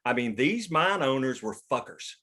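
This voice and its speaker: A man's voice: mid-range voice, very animated, normal speed, sharp tone. Man, mid-range voice, casual group discussion, informal explainer, discussion leader. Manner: informal, explanatory, occasionally profane. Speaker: writer leading a script table read.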